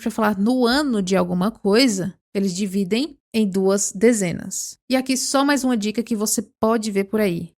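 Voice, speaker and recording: A woman with a Brazilian accent teaching an English lesson, patiently slowing down to walk through each example. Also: medium pitch, darkish tone. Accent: Brazilian Portuguese. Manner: patient, slows down to spell out examples. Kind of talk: explaining a lesson step by step.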